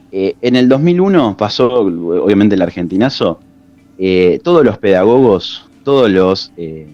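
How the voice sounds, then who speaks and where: This man's intonation is lively. He speaks at a fairly slow pace in a fairly low pitch. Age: 30s. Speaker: history teacher and researcher. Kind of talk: radio interview. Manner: halting, many fillers and repetitions.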